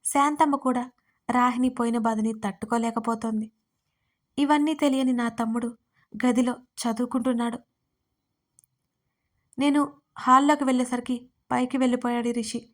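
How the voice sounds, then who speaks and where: Young female storyteller, high pitch, flat delivery, emotional first-person audio story. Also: normal speed, pauses often. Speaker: writer and narrator. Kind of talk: storytelling narration.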